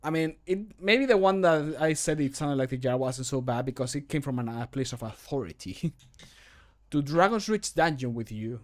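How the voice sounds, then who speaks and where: Casting: man in his thirties, medium pitch, informal streamer who mutters and jokes about his own work. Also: brisk, few pauses. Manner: self-critical, joking, thinking aloud. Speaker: streamer recording mod voice lines. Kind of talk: casual livestream chat. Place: small home room. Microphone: close desk microphone.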